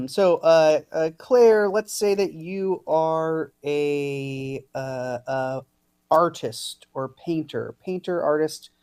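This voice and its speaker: A man hosting improv games, hesitant and full of drawn-out fillers. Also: a little high, darkish tone, clear, resonant tone. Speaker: host.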